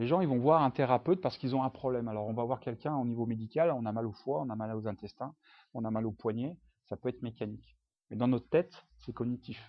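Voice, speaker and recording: Racing at a very fast pace, a man talks at medium pitch with ordinary pitch variation. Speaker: hypnotherapist and coach. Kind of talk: public hypnosis workshop talk.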